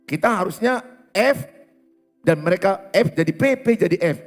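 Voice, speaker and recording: A man's voice: sits high, animated, normal speed, faint music behind. A middle-aged man preaching in church with a Batak accent, asking the congregation questions and mimicking regional accents. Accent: Batak-inflected Indonesian. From Indonesia. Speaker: pastor. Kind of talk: sermon. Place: church hall.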